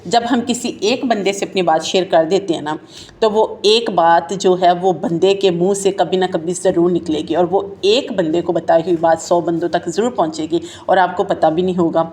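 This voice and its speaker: A motivational talk host speaks casually and from the heart directly to her listeners, calling them her sisters and friends. Her voice is fairly low and a little mellow, and she talks in a loose conversational flow, often leaning on the filler "jo hai na".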